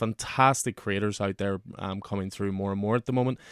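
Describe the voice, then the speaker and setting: With a Northern Irish accent, a man speaks fairly quickly in a fairly low voice with fairly even intonation. The recording is very clean and dry, with a silent background and a close sound with no echo. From Northern Ireland, Belfast. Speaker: podcast host, comic shop owner. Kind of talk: casual interview.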